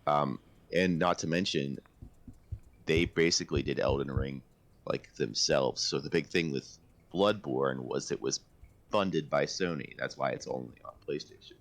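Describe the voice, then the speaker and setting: A man with an exceptionally deep voice chats casually as a podcast co-host. His delivery is gravelly and emphatic, with real enthusiasm for games. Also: measured pace. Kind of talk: casual video game discussion.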